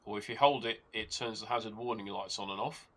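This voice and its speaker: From a home workshop with rain outside, a channel host with a cold-clogged nose demonstrates a hobby gadget casually, explaining each step. His lowish voice is brisk yet relaxed and hesitant at times, with rain and a model engine audible behind him.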